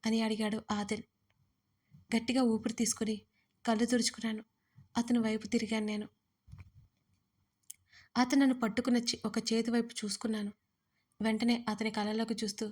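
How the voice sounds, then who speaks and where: A woman reading a first-person romance story aloud, with emotional, dramatic delivery. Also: on the high side. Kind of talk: scripted first-person narration.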